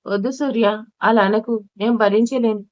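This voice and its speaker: A woman's voice: on the high side, fairly even intonation, normal speed, darkish tone, close to an everyday voice. A woman narrator voicing a frightened young wife who holds back tears and vows to be brave, speaking in a pleading, resolute way. The audio is dull and lo-fi. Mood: tearful resolve. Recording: dull lo-fi recording.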